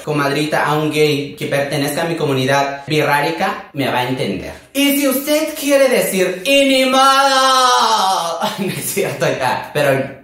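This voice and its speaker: A man from a Wixárika community in Mexico, with a Mexican Spanish accent and Wixárika as his first language, teaching words in a campy, sassy, theatrical way. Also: a bit bright. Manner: campy, theatrical, sassy with sudden pitch jumps. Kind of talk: casual playful vocabulary lesson. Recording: very echoey room.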